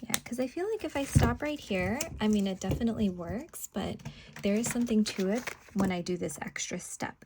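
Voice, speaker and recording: Creaky-voiced woman chatting through crafts. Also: mid-range voice, noisy background. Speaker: craft video host. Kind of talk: casual plan-with-me chat, narrating while working.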